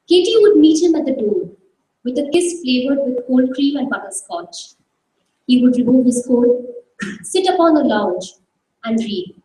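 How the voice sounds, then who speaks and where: A woman giving a measured, expressive dramatized reading of a short story on a live festival stage. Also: sits high. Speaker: reader. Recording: echoey hall from far off.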